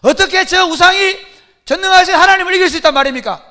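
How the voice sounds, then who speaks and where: A man acting out a fiery male temple prophet who whips up a crowd with shouted, ecstatic preaching. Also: very high voice, quick pace, pitched above the performer's own voice, heavily acted. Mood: fervent, shouting.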